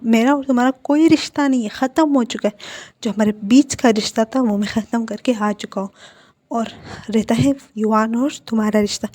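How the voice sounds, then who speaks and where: A heartbroken young man lashes out and then pleads, as a woman reader puts him on. The voice sits a little high and soft-toned. He is bitter and protective in this storybook fan fiction reading. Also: close to an everyday voice.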